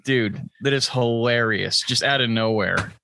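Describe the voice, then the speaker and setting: A man with a mid-pitched voice talks as a podcast co-host. The sound is dry and close. He shares opinions in a casual, informal chat style. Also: unhurried, vocal fry, pushed and bright, dry recording.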